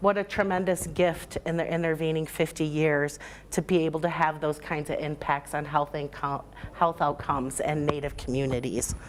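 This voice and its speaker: Speaking in an American accent, a woman with a very deep, low pitch keeps a moderate pace and fairly even intonation. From US Upper Midwest, Ojibwe community near Lake Superior. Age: 50s. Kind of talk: lecture. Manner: frequent hesitations (um, uh).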